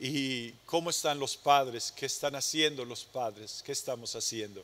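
Moderate pacing from a man with a bright, sharp tone and ordinary pitch variation. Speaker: pastor. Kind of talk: sermon. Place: studio. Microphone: lapel.

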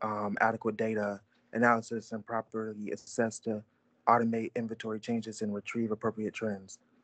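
The man's speech moves along at a moderate pace. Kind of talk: class presentation. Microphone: video call.

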